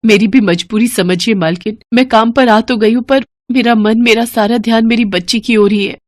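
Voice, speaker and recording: A woman's voice: fairly high pitch, fairly even intonation, normal speed, a little mellow, no room sound, voice pushed up, natural voice. A woman voicing a humble, worried housemaid and mother, meek and imploring, in a dramatised story. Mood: anxious, tearful. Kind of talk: dramatised Hindi bedtime story.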